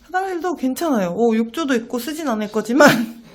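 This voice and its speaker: A woman's voice: high-pitched, expressive, fairly quick. A woman chatting casually and expressively to viewers as a travel food vlogger. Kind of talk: casual vlog chat to viewers.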